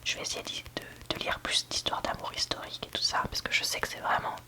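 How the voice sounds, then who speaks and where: A book reviewer giving a candid, hesitant ASMR review in a soft library whisper, often searching for words. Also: brisk. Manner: soft library whisper, almost entirely unvoiced. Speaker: book reviewer, video host.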